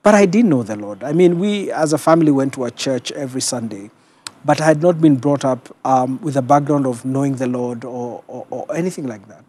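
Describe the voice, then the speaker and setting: A middle-aged man with a Kenyan accent, a pastor talking reflectively and in a measured way as an interview guest. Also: medium pitch, a little mellow. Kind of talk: conversational television interview, personal storytelling. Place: television studio. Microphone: lapel mic.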